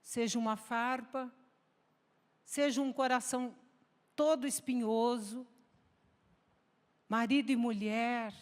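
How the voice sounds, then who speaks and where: Brief: woman pastor from Brazil, high voice, emotional testimony building to fervent preaching, church reverb. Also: steady tone, slow, long pauses. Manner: emotional storytelling, rising to fervent exhortation. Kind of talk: sermon with personal testimony. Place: large church hall.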